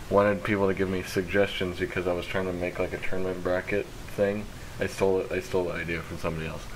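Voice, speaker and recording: Quiet and mumbling, a man talks very fast in a very deep, low, flat monotone against noticeable background noise. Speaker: podcast co-host. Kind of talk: casual chat. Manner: quiet, mumbly.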